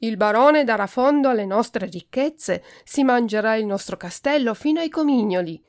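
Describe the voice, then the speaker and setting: A woman's voice: fairly high pitch, expressive, normal speed. A woman voicing an anxious, fretful widowed countess in a storybook reading. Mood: grudging.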